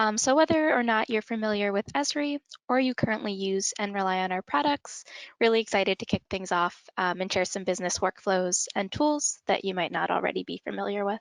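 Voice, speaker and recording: In an American accent, a woman with an ordinary speaking voice talks at a medium pitch and fairly quick pace with lively intonation, with a dry, close sound with no echo and a quiet background. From US, Pennsylvania. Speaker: software solution engineer. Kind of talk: webinar presentation. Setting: online webinar. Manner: frequent fillers (um, uh).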